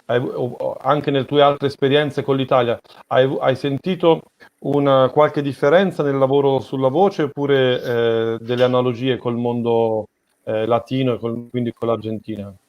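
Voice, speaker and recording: A man's voice: mid-range voice, little pitch movement, normal speed. A man moderating an unscripted interview, feeling his way through long questions with restarts and rephrasing. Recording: slightly dull lo-fi audio.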